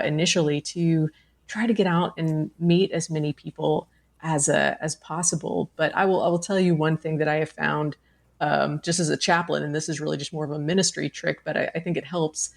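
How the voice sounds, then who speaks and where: Guest: young woman chaplain, low gravelly voice, gentle and reflective. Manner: gentle, reflective, many fillers. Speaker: chaplain and author. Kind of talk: radio interview.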